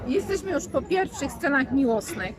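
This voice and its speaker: A woman's voice: high voice, very animated, moderate pace. A woman hosting a vlog interview in a courteous, slightly hesitant, formal way. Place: outdoors in a town street. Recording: outdoor recording with crowd and traffic.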